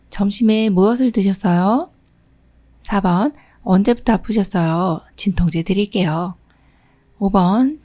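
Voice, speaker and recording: A woman's voice: mid-range voice, mellow, no room sound. A middle-aged woman instructor reads out exam questions and patiently explains each answer. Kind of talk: exam question walkthrough lesson.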